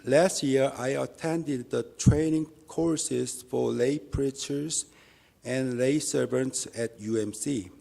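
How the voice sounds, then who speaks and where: A man with a Korean accent, a native Korean speaker, giving an earnest church testimony in English with a measured, halting delivery and small restarts. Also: medium pitch, gravelly, mellow. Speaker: lay minister giving testimony.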